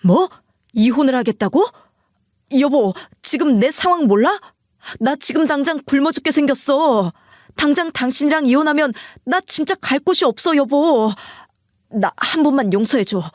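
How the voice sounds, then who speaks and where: A woman's voice: high-pitched, animated, moderate pace, darkish tone, no echo, studio quality, pitched above the performer's own voice. A woman voicing a desperate husband who begs and whines for forgiveness. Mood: pleading. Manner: begging, whining. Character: desperate pleading husband, young adult man.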